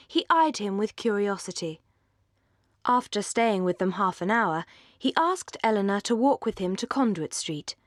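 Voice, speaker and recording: A woman narrating a classic novel in a measured, elegant reading that drops low at the ends of phrases. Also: dry recording, studio quality. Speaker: audiobook narrator.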